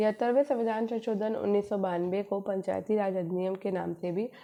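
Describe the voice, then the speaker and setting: A woman speaks in a dark, mellow tone at a medium pitch with fairly even intonation. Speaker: online exam-prep teacher. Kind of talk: lecture. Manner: quieter than usual; not fast.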